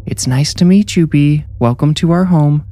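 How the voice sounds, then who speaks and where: A polite mother, read by a male narrator, with the voice lifted higher. She is placating and pleasant in a forced, strained way, as in an audiobook. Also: moderate pace, darkish tone, dry recording, lightly acted. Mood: forced welcome.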